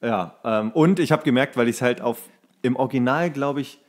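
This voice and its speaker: A man's voice: medium pitch, moderate pace. A man co-hosting a casual podcast, talking enthusiastically about films and slipping into acted-out quotes. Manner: enthusiastic, acts out movie quotes. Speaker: podcast co-host. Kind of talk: casual film chat.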